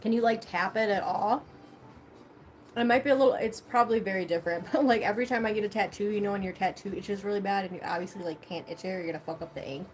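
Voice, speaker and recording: A young woman talks casually to her livestream viewers between bites of food. Her speech is loose and chatty, with offhand swearing, at a middle pitch. A faint hiss of background noise sits under her voice. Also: fast. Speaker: livestream host. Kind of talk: casual livestream chat while eating.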